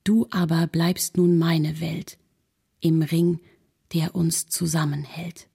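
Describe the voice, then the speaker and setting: Radio drama role: devoted 19th-century woman poet, dark husky voice, intimate lyrical recitation. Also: deep voice, flat delivery, slow pace, exaggerated voice. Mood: tender, loving.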